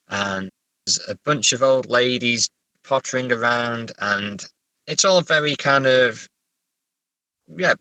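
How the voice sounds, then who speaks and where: A man talking casually as a writer being interviewed, halting as he thinks aloud. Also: medium pitch, bright, forceful tone, dry recording, low-quality recording. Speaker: writer, podcast guest. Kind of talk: casual interview chat about writing.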